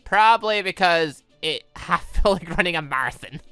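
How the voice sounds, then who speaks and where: A woman voicing a flustered, exhausted teenage girl in a dating game, halting, breathless and whiny. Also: on the low side, animated, pushed and bright, clean tone, dry recording, faint music behind. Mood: flustered, worn out.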